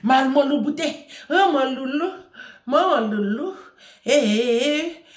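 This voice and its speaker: A woman's voice: high voice, slow, roomy sound. A middle-aged woman mimicking a shallow young woman who gushes in a sing-song voice about designer bags. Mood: gushing.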